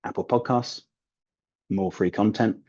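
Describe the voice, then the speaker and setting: A man with a very deep, husky voice chats easily as an interview guest, often pausing on "um" and restarting his sentences. His audio sounds dull and lo-fi, like a remote call. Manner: relaxed, laughing, many restarts and ums. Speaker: guest, language learning YouTuber. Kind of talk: casual interview chat.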